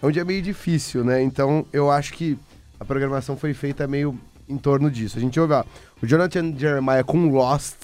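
A man's voice: mid-range voice, fairly quick, darkish tone. A Brazilian man on a radio show, casually chatting and laughing as he introduces the music lineup. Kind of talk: casual studio banter.

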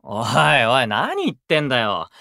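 An actor playing a brash, cocky young male idol in a Japanese voice drama, with blunt, swaggering, rough speech. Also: medium pitch, wildly swooping pitch, normal speed, bright, forceful tone, no echo, studio quality. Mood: teasing, irritated. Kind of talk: Japanese anime-style voice drama acting.

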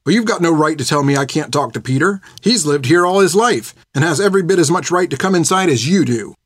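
A defiant, sharp-tongued teenage girl, as a male storyteller puts her on in a lifted voice. She snaps back and throws insults without holding back. The sound is dry and close. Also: a little high, animated, fast talker, dry recording, voice pushed up.

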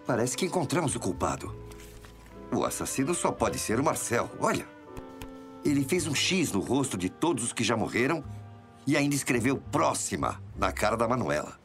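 An actor playing an excitable, loyal male police detective in an audio drama, speaking in a colloquial, expressive way. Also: mid-range voice, moderate pace, faint music behind. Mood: tense, investigating.

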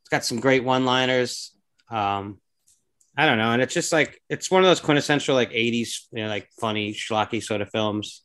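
A man's voice: medium pitch, normal speed, a bit bright, clear, resonant tone. Laid-back Long Island guy. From New York. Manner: laid-back, rambling with fillers. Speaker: podcast co-host. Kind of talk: casual chat.

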